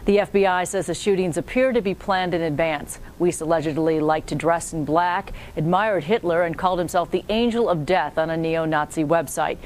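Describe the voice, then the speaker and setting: A woman's voice: normal speed, few pauses, a little mellow. An American woman anchoring a local newscast in a polished, formal, scripted newsreader delivery. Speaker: TV news anchor. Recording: clear background noise with low rumble.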